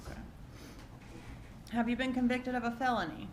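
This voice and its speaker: A woman's voice: fairly high pitch, lively intonation, moderate pace. A woman speaking as a prosecutor in a courtroom, examining a witness with short, pointed questions. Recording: noisy courtroom recording.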